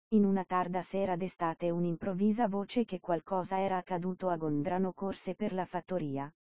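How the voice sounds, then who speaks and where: Low-voiced woman reading a story aloud. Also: no echo. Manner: measured, steady storytelling. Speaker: audiobook narrator. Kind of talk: scripted narration. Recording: dull dry lo-fi recording.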